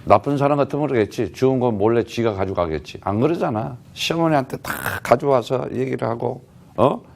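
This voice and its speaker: A man's voice: medium pitch, fairly quick, gravelly. A man preaching a sermon as a missionary, talking plainly to the congregation and often asking rhetorical questions. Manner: emphatic, rhetorical questions, frequent "huh?" tags; conversational, plain speech to the congregation.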